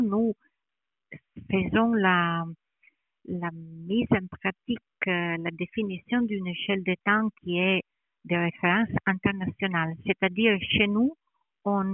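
A woman who is not a native French speaker, explaining in an interview with a foreign accent in French, haltingly searching for words. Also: medium pitch, dry recording, narrow, tinny audio. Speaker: interviewed metrology department director.

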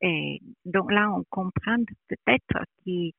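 Non-native French speaker, creaky woman's voice. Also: on the low side, dry recording, narrow, tinny audio. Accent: foreign accent in French. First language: not French. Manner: halting, searching for words. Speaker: interviewed metrology department director. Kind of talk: explanatory interview answers.

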